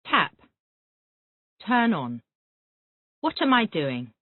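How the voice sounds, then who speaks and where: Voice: mid-range voice, big pitch swings, dry recording. An English teacher running a Callan method drill, reading out vocabulary words and asking short repetitive questions. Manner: reads words then asks quick repetitive questions. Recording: tinny phone-like dry audio.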